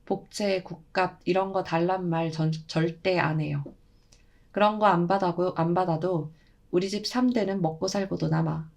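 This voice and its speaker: A woman's voice: on the low side, steady tone, normal speed, gravelly, darkish tone. A woman voicing a talkative middle-aged mother who speaks in a friendly, coaxing way.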